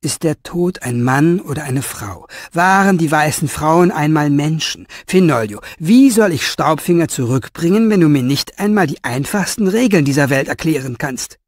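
A man's voice: a little high, lively intonation, normal speed, few pauses, no echo, studio quality, close to an everyday voice. Man voicing a pushy younger writer. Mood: demanding. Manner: insistent, calling through a door. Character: pushy younger male writer, insistent and demanding.

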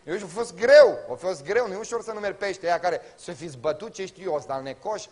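A man with a Romanian accent preaching a sermon to a congregation in a colloquial way, his delivery swinging from loud exclamations to low murmurs. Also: expressive. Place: church before a congregation.

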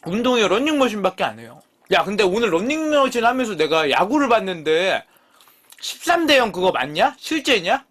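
A man in his thirties talks casually to his live stream audience, teasing and cursing as he argues with the chat. His voice sits high and swings widely between low mumbles and loud outbursts. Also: sing-song, brisk. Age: 30s. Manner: swears freely, teasing and bickering with chat. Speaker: live-stream eating show host.

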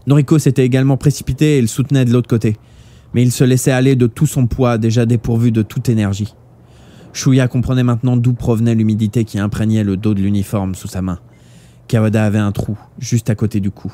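A man reading a novel aloud live, with expressive narration. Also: medium pitch, fairly quick. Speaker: audiobook reader.

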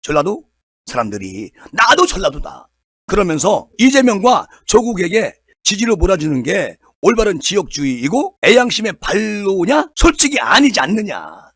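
Indignant high-pitched male commentator. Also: very animated, normal speed, husky, no room sound. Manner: indignant, emphatic, with rhetorical questions. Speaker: political commentary channel host. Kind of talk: political commentary monologue.

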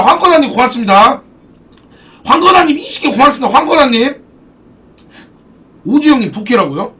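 Animated high-pitched streamer man. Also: far from the mic. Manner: animated, swearing, bantering with chat. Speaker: game streamer. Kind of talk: casual live-stream chat.

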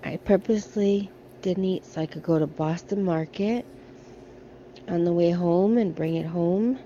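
A woman's voice: lowish voice, measured pace, dark tone, muffled recording, a little hiss or hum. Chatty American woman browsing a store. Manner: chatty, thinking aloud while browsing. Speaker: shopping vlogger. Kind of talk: casual shop-with-me vlog. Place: large discount store aisles. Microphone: handheld phone camera.

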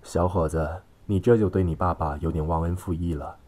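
A man's voice: sits low, fairly even intonation, brisk, mellow. A man voicing a belligerent, contemptuous middle-aged father in an audiobook story, scolding and sneering.

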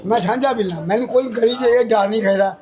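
A man's voice: very high-pitched, quick pace, a crowd in the background. An older man rambling in distress, repeating himself in an agitated way. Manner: repetitive, agitated.

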